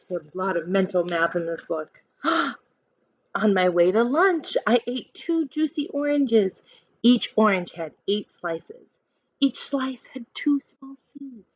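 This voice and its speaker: In a dull, echoey room recording, a woman reads aloud to children as a teacher would. Her pitch swings up and down in a lively way as she poses questions and coaches the listeners. She takes her time, keeping an unhurried pace. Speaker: teacher reading a picture book aloud to children. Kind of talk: animated children's read-aloud with counting questions.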